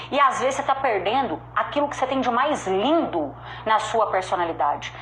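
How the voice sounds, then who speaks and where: Against noticeable background noise and audible room echo, a woman speaks at a moderate pace in a fairly high pitch, her tone animated with very wide pitch swings. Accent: strong Minas Gerais. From Brazil, interior of Minas Gerais. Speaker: motivational speaker, sales trainer. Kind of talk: motivational talk to an online audience. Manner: animated, expressive.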